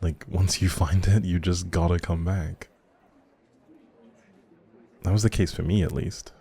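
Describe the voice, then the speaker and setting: A man's voice: low voice, fairly even intonation, a little slow, mellow, slightly rough, heavily acted. A man playing a shy, socially anxious but friendly young writer in an intimate audio roleplay, rambling hesitantly and apologetically to the listener.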